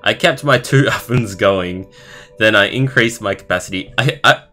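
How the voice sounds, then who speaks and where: A young man live streaming, reading a story aloud in a halting way and adding casual comments of his own. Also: on the low side, pushed and bright. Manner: halting, stumbling over words while reading. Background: background music.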